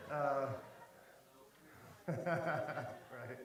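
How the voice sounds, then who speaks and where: A man performing at a live benefit concert, chatting quietly and haltingly between songs in a self-deprecating way. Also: medium pitch, a crowd in the background. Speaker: singer-songwriter performer. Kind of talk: casual stage banter between songs. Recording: echoey live room with music.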